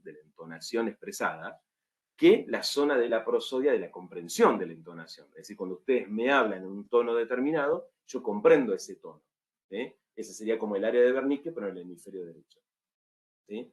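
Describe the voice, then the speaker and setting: A man's voice: on the low side, expressive, brisk. A man with an Argentine Spanish accent giving a recorded online lecture to medical students, often checking in with tag questions.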